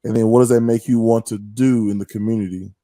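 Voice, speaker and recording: A man hosting a casual interview, asking teasing, animated questions. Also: fairly low pitch, fast talker, dry recording. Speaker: podcast host.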